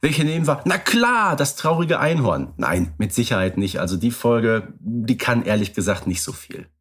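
A man co-hosting a podcast, speaking in a measured and dryly ironic way. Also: mid-range voice, big pitch swings, fairly bright tone, breathy edge. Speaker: podcast co-host. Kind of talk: casual podcast discussion.

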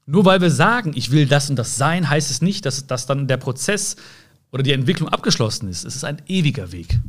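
A man hosting a podcast, giving a gentle, encouraging self-help monologue straight to the listener and often tagging his sentences with a questioning "ja?". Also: mid-range voice, very animated, brisk. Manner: tags sentences with "ja?" and "ne?". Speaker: podcast host.

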